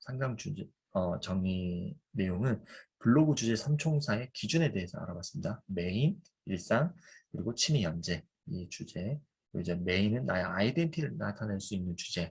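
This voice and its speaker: Speaking at a fairly quick pace, a man with a fairly low, somewhat breathy voice makes very wide pitch swings. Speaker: online course instructor. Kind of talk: lecture. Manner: frequent filler words.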